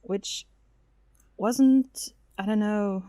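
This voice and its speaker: A woman whose first language is German, chatting as a podcast guest, laughing often and pausing with lots of fillers. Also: medium pitch, dark tone, no echo, studio quality. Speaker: featured guest. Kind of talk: casual podcast interview.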